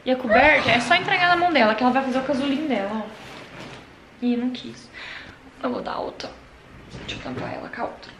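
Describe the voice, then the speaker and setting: A woman vlogging casually to her viewers from a bedroom at night, talking in a chatty way that often drops to a hushed murmur. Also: sits high, fairly quick, pauses often, echoey room, background noise. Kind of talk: casual vlog chat to viewers.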